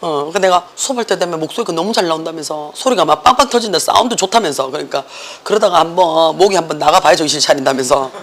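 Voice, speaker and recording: A middle-aged teacher with a Gyeongsang Korean accent and a hoarse voice, lecturing a class in an animated, joking way and slipping English words into the talk. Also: mid-range voice, fast talker, hardly any pauses.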